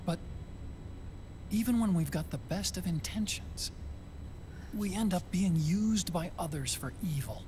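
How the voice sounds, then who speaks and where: An actor playing an earnest, hesitant, soft-hearted male computer scientist in a video game cutscene. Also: sits high, measured pace, pauses often, slight background noise. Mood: regretful, subdued.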